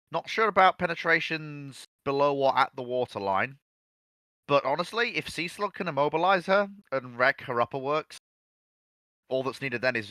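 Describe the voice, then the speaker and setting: A man with a very bright, forceful voice delivers informal expert analysis. He is emphatic, restating points to drive them home, and is recorded close and dry. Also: mid-range voice, smooth, no echo. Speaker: panel guest.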